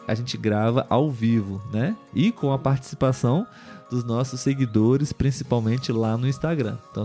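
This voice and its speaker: A Brazilian man hosting a casual chat podcast for language learners, speaking clearly and in a friendly way. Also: medium pitch, warm tone. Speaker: podcast host.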